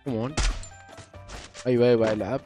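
A young man, giving excitable, boastful commentary over his own gameplay and trash-talking opponents. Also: medium pitch, fast talker, muffled recording, music in the background. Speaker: gaming YouTuber.

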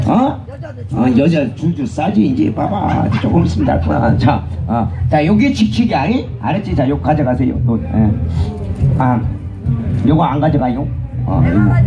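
High, lively rowdy male hawker. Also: a little slow, highs cut off, very noisy. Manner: bantering, teasing, shouted cues. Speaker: street performer and vendor. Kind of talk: rowdy comic banter with a crowd. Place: outdoor festival stage.

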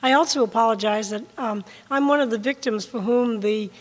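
An older woman giving a public science lecture at a podium, slightly hoarse from a cold, measured with occasional ums. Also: fairly high pitch. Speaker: guest lecturer. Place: large lecture room with audience. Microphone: podium mic. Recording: long hall reverb.

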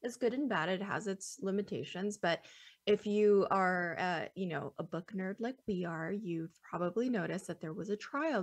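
A woman co-hosting a podcast in casual chat, talkative and quick to laugh, rambling loosely between thoughts. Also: medium pitch. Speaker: podcast co-host.

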